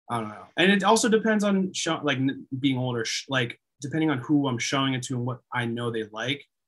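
With an ordinary speaking voice and an American accent, a man at medium pitch talks at a fairly quick pace with lively intonation and hardly any pauses. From Pennsylvania, Poconos. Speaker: metal band guitarist. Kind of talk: casual interview chat.

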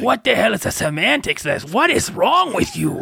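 Over clear background noise, someone does a put-on character voice at a fairly high pitch and a moderate pace. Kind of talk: comic improv. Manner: aggressive, crude, slangy.

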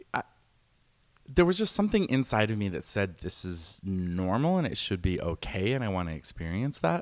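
An ordinary speaking voice from a man, with lively intonation at a moderate pace, on a very clean recording with a silent background. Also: fairly low pitch for a man. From Southern California. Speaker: naked social group organizer. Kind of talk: interview conversation.

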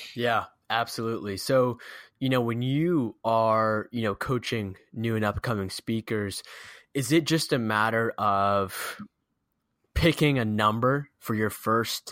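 A man's enthusiastic, fairly slow delivery at a medium pitch, with ordinary pitch variation, on a very clean recording with a silent background. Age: 20s. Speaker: podcast host. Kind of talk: interview.

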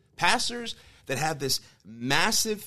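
With an American accent, this voice has a bright, sharp tone, very wide pitch swings and vocal fry. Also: man. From Tampa, Florida. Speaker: pastor. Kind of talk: casual podcast conversation.

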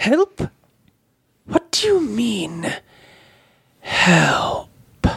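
A put-on character voice, fairly high in pitch. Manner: wary, suspicious.

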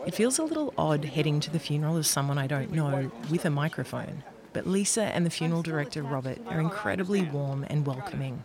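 Talking at a very fast pace with hardly any pauses, the speaker has an Australian accent and ordinary pitch variation over noticeable background noise. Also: woman, very deep, low pitch for a woman, very even loudness. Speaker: podcast host and producer. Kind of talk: scripted narration. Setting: outdoors on a busy street.

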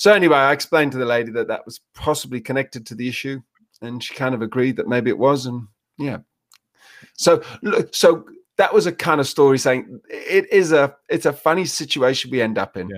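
An animated man with a British accent, ordinary pitch variation and big swings in loudness, on a very clean recording with a silent background. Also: fairly high pitch for a man, fairly quick pace. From Britain. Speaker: dog trainer and author. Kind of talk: casual interview chat.

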